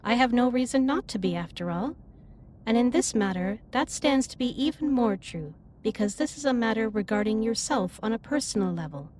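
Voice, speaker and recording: A woman performs a female alien starship captain with a fairly high voice. She speaks formally and precisely, with earnest care, in an intimate sci-fi audio drama. There is clear ambient noise behind her. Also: animated, a little mellow, close to an everyday voice. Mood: earnest, apologetic. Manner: formal, precise, stilted wording with measured delivery. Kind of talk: scripted roleplay audio drama, intimate one-sided dialogue.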